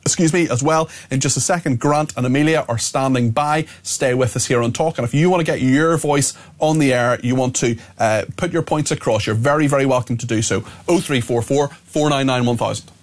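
A smooth radio host, a man whose fluent on-air delivery moves at a quick clip. His pitch sits in an ordinary middle range. He reads listener messages and links one segment to the next without losing pace. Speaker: radio talk show host.

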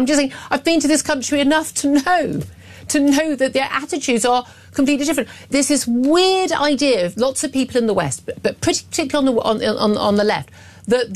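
A woman hosting a talk radio show, speaking emphatically and with sarcasm, full of restarts and asides. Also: sits high.

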